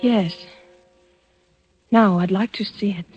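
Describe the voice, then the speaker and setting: A woman's voice: medium pitch, slow, a little mellow, close to an everyday voice. A woman playing a frightened, manipulated young woman in a 1940s radio drama, her voice breathless and pleading. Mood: wistful. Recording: dry, dull old radio broadcast with faint music.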